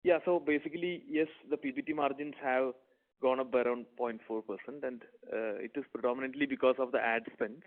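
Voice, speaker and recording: A man's voice: medium pitch, fairly even intonation, a little fast. A man with an Indian accent speaking as a company executive, answering investor questions on an earnings conference call. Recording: narrow phone-like conference line.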